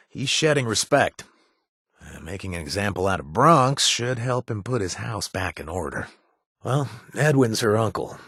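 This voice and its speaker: A man's voice: fairly low pitch, fairly bright tone, breathy edge, no echo, exaggerated voice. A man voicing a wry, sarcastic wasteland ally in a video game, talking with dry humor and frequent hesitations. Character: wry, sardonic wasteland man worried for his brother.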